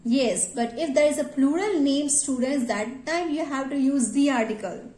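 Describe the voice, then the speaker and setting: Lady teacher, high but mellow voice, keeps saying yes students, echoey room. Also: normal speed. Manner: addresses students directly, repeats "yes" as a check. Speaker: English grammar teacher. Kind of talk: classroom grammar lesson.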